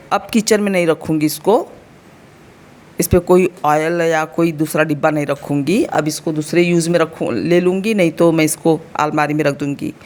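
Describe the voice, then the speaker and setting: A woman in her thirties from India with an Uttar Pradesh Hindi accent and a slightly sore throat, chatting to her viewers in a casual home vlog. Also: sits low. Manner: chatty, addresses viewers directly, explains as she goes. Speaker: vlogger.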